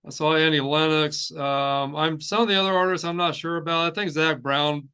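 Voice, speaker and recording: A man hosting a music news show, speaking in a casual, off-the-cuff way with halting, rambling delivery and repeated phrases. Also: on the high side, sharp tone, smooth. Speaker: host of a heavy metal news show.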